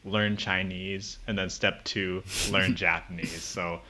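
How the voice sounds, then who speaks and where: A man's voice: sits low, level tone, slow, bright, forceful tone. A man hosting a podcast, asking questions casually with many hedging fillers. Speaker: podcast host.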